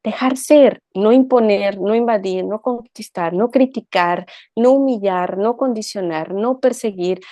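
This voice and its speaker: A woman's voice: mid-range voice, measured pace, warm tone, no echo, studio quality. A woman co-hosting a talk show, speaking reflectively and often ending thoughts with a questioning tag. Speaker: co-host. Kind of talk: conversational talk show discussion.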